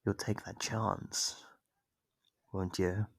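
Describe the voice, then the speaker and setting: In this ASMR horror roleplay, a man plays a cruel monster who taunts trapped prey with sneering courtesy, fully committed to the character voice. He speaks extremely slowly in a deep, level, slightly bright voice that is gravelly, husky and edged with whisper. The close, dry recording has no echo.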